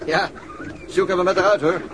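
High-voiced easygoing dad over boat noise. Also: male voice, big pitch swings, moderate pace, creaky, exaggerated voice. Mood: relaxed. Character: easygoing middle-aged father, grumbling policeman on holiday. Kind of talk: naturalistic drama acting.

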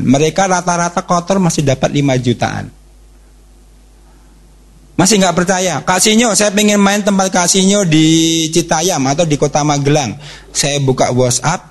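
A middle-aged man giving a lively religious seminar talk, jokey and animated, putting questions to the audience. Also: on the high side. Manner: animated, jokey, asks the audience questions, acts out quick exclamations. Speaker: speaker at a parenting and youth talk.

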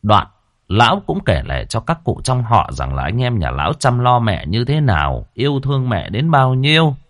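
A man, narrating a folksy ghost story in a lively, colloquial way. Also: medium pitch, normal speed, no room sound, studio quality.

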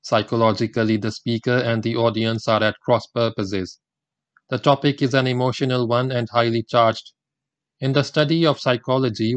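An older man from India, whose first language is Gujarati, gives a formal religious lecture in a measured, deliberate way. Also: medium pitch, clean tone, no echo. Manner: measured, deliberate delivery with Quranic recitation.

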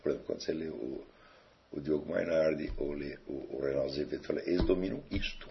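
A man's voice: extremely low pitch, fast talker, vocal fry, dull audio. A man with a Brazilian Portuguese accent giving a recorded lecture, talking in a digressive, conversational way and asking rhetorical questions.

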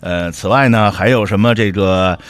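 A man's voice: low voice, normal speed. A man co-hosting a radio talk show in casual chat, laughing easily and playing with sound imitations. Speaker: radio co-host.

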